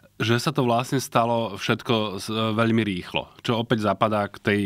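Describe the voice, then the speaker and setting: A man's fairly low voice at a moderate pace, with fairly even intonation, a quiet background and a dry, echo-free sound. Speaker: newspaper commentator. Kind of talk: podcast discussion commentary. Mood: calm analytical. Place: studio. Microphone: studio mic.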